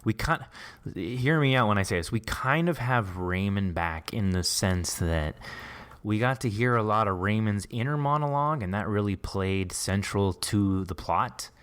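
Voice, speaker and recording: Encouraging male podcast host, lowish voice. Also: animated, moderate pace, a bit bright, clean tone. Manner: encouraging, affirming. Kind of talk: casual interview chat.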